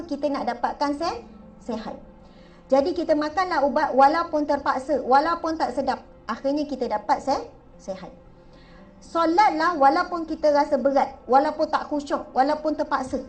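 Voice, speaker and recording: A woman's voice: high-pitched, far from the mic. A woman with a Malaysian Malay accent giving a chatty religious lecture, often asking her audience questions. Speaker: religious speaker.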